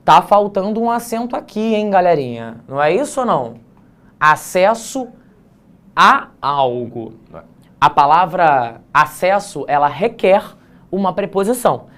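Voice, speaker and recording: A man's voice: sits high, very animated, normal speed. Male teacher, casual classroom lesson, breaks grammar rules down with slangy asides. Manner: chatty, explanatory, addresses students informally. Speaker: teacher correcting an exam essay.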